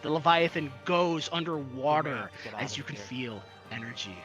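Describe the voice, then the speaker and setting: In an online voice chat, a man acts as game master for an online roleplay, narrating events with dramatic, building intensity. His voice is slightly high and his pace normal, and the muffled recording has background music.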